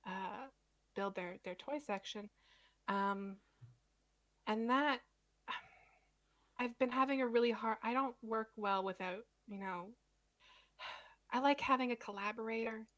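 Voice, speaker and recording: A woman voicing a shy, awkward female toy maker in a tabletop role-play, talking softly with many pauses and fillers. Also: medium pitch. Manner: halting, soft, full of pauses and fillers.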